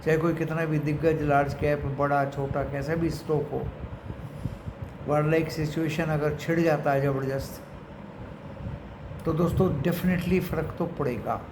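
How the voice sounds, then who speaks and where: Indian guy doing off the cuff market talk, bit high voice, noisy background, drops in english phrases. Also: steady tone, moderate pace. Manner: mixes in English phrases, often addresses viewers as friends. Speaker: stock market commentator and channel host. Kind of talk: unscripted market commentary to viewers. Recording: echoey room with clear background noise.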